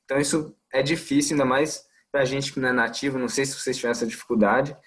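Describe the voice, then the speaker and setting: A man's voice: mid-range voice, fairly even intonation, fast, a bit bright. A young adult man from Brazil with a Brazilian Portuguese accent, a medical resident talking in a casual podcast chat, thoughtful and full of fillers. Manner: thoughtful, many fillers and trailing asides.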